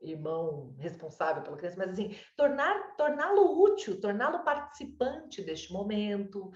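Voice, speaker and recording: A woman's voice: mid-range voice, very animated, moderate pace, muffled recording. Brazilian woman advising a parent, distant roomy mic. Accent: Brazilian Portuguese. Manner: warm explanatory, lots of "né?" and "sabe?". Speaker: child development consultant. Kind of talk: advice session with a parent.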